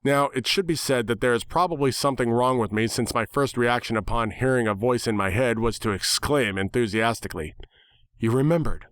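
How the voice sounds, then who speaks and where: A man's voice: mid-range voice, a little fast, hardly any pauses, a bit bright, clear, resonant tone, dry recording. A man giving a dramatic first-person reading of a story as its narrator. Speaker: narrator of fan fiction.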